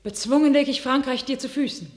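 An actress playing a young, pious visionary warrior maiden in a classical verse radio play, solemn and declamatory. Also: female voice, sits high, a little fast, reverberant, natural voice. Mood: fervent, prophetic.

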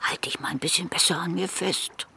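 A woman playing a laconic, caring female shark in a radio play, with a low, gravelly voice and a casual deadpan manner. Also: fairly quick, in a whisper. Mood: deadpan, sympathetic. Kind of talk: naturalistic radio play dialogue. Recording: faint watery background noise, boat-like ambience. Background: lapping water and sea ambience.

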